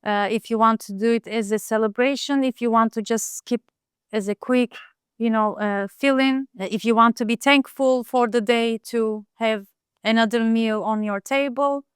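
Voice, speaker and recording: A woman, a home cook talking casually in an interview, soft-spoken and hesitant with many fillers. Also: a little high, fairly even intonation, moderate pace, clear, resonant tone, no echo, clean studio sound. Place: home in Istanbul.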